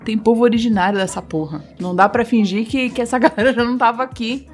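A woman's voice: on the high side, quick pace, faint music behind. A woman in a casual group chat making emphatic points and swearing freely. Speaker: discussion participant.

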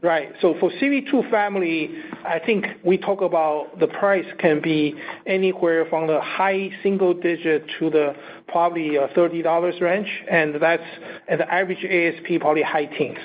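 A male company executive answering analyst questions on an earnings call, halting and often restarting as he repeats words. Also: a little high. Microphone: conference call line. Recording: narrow phone-like line, faint noise.

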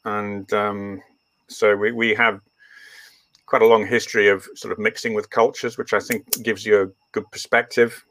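In a relaxed interview, an older veterinarian from East Africa shares his story in English, his first language being Swahili, wandering along with ums and restarts. He has a lowish voice with flat delivery at a moderate pace, a bit bright, and there's a little hiss or hum in the audio.

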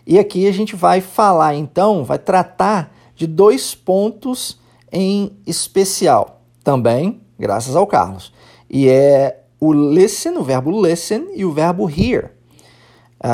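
A man's voice: sits high, a little mellow. A man with a Brazilian Portuguese accent, teaching English on a lesson podcast, explaining patiently and drilling phrases aloud.

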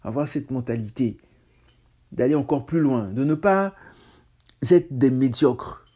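A man's voice: medium pitch, expressive, unhurried, mellow, slightly rough. A man preaching a casual sermon on scripture, talking conversationally with self-mocking asides and stammered restarts.

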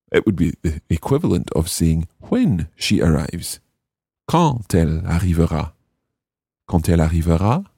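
A man with a very low, dark voice teaches a language lesson. His tone is soft-edged and slightly husky rather than crisp. He explains translations step by step, slowing down to enunciate example phrases and spell out words, in a dry recording. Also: dry recording. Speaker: French language teacher and podcast host.

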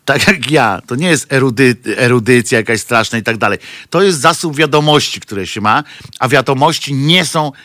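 A man with a bright, forceful tone talks through a news item in loose, rambling fashion. He stumbles through restarts and hesitations. His sarcastic asides land as dry jokes, and his pitch sits in an ordinary middle range. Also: expressive, moderate pace. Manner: mocking the press and clergy with dry jokes. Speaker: commentator, regular on a weekly satire show. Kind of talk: casual satirical commentary.

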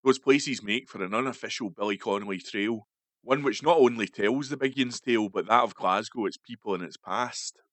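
Low-voiced man reading a news feature. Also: moderate pace, no echo. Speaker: newspaper article reader. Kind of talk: read-aloud news feature.

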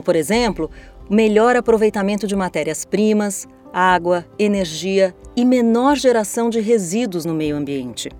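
Female podcast host, Brazilian accent, mid-pitched, formal scripted read, articulate, music underneath. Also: a little mellow.

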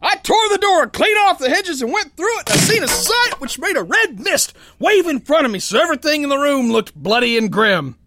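An actor playing a rough, big-hearted sailor boxer, telling his tale in folksy, ungrammatical slang as theatrical radio-play narration. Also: very high-pitched, very animated, brisk, hardly any pauses, sharp tone, heavily acted. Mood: outraged. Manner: folksy, ungrammatical yarn-spinning. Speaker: first-person narrator.

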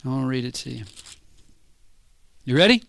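A man preaching a sermon in a conversational way, often asking the congregation if they understand, and slowing down to read scripture. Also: mid-range voice, lively intonation, creaky, fairly bright tone, no room sound. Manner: conversational, keeps checking in with the congregation; reads scripture slowly and deliberately.

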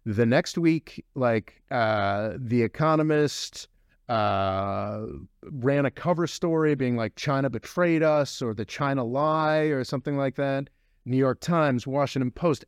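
A man's voice: medium pitch, no echo, clean studio sound. A man hosting a podcast, giving long, rambling, opinionated explanations in casual talk. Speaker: podcast host.

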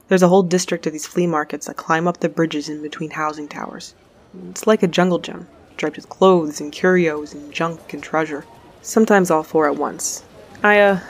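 Space courier, young, female. Lowish voice, wry, hesitant and chatty, naturalistic audio drama delivery. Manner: rambling, informal, hesitant. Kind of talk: naturalistic audio drama acting, logging aloud.

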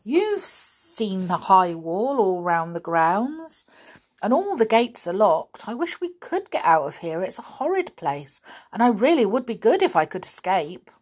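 A woman's voice: medium pitch, sing-song, unhurried, pitched above the performer's own voice. A woman voicing a glum, complaining boy brownie at a harsh school. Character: unhappy boy brownie pupil, glum and eager.

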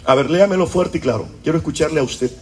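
A man's voice: a little high, fast, music in the background. A pastor preaching a sermon to his church, often throwing rhetorical questions at the congregation. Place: church service.

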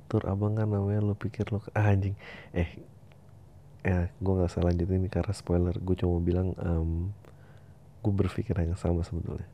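A man's voice: flat delivery, a little fast, long pauses. Pria bersuara rendah dan datar, rekaman agak redam. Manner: informal, slangy, swears casually. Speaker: podcast host. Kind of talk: casual solo talk, reading listener emails aloud with asides. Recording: dull lo-fi audio with faint rumbling noise.

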